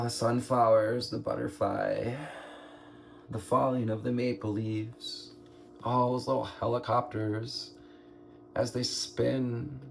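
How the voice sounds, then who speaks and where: Male tarot reader, hoarse and gravelly, unhurried, meandering delivery, faint noise underneath. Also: medium pitch. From United States. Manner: slow, meandering, musing aloud with pauses and throat clearing. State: hoarse, scratchy throat. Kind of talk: slow spiritual card reading.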